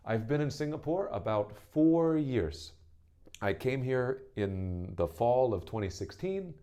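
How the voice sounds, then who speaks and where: Warm and expressive, a mid-range American voice belongs to an English teacher in his thirties presenting a friendly self-introduction lesson to camera. He takes his time, stays easygoing, and frequently checks in with "right?"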